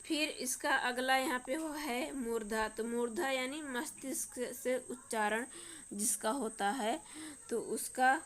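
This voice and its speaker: A woman's voice: high voice, slow, fairly bright tone, slight background noise. A woman teacher with a Madhya Pradesh Hindi accent, working through a worksheet and sounding out each letter one by one. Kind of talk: worksheet lesson walkthrough.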